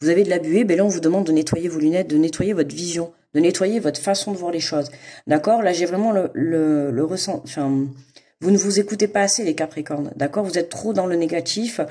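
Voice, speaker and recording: An unremarkable speaking voice from a woman, fairly low in pitch and fairly quick, with ordinary pitch variation against a quiet background. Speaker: card reader. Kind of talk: astrology card reading commentary. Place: home room.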